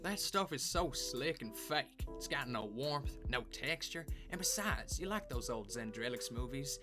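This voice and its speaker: A man's voice: mid-range voice, lively intonation, a little slow, music in the background, lightly acted. A man playing an opinionated middle-aged father in an audiobook drama, with a matter-of-fact manner. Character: Dad, opinionated middle-aged father who enjoys arguing.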